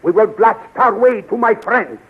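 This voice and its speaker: An actor playing a determined, forceful rescue leader, urgent and declamatory in 1930s radio style. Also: male voice, high voice, lively intonation, unhurried, loud music behind the voice. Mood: urgent, resolute. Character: determined, forceful male rescuer leading soldiers. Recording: tinny, very noisy 1930s radio recording.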